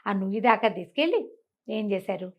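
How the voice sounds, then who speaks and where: A woman telling a comic folk tale in an animated, conversational way, often repeating phrases. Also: mid-range voice, moderate pace, highs cut off. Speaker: storyteller.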